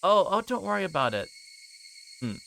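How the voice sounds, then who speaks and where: A man livestreaming a visual novel, reading it aloud and chatting to viewers in a hesitant, halting way. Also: high-pitched, sing-song, gravelly, pushed and bright, a little hiss or hum, rough recording.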